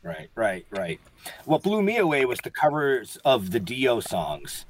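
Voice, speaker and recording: A man's voice: medium pitch, huge pitch swings, slight background noise. A man hosting a casual interview, gushing with praise and often restarting his sentences. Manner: effusive, halting with fillers and restarts. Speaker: podcast host.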